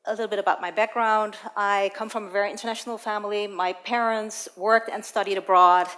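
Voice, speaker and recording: Woman telling personal stories on stage. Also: mid-range voice. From Netherlands. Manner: personal, storytelling, lively anecdotes. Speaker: speaker. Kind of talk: prepared talk on stage. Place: auditorium stage.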